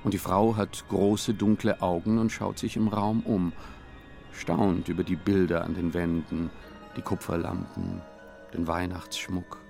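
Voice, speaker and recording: Low, gravelly male narrator with a faint music bed; scripted storybook read. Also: little pitch movement, darkish tone. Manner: measured, descriptive storytelling.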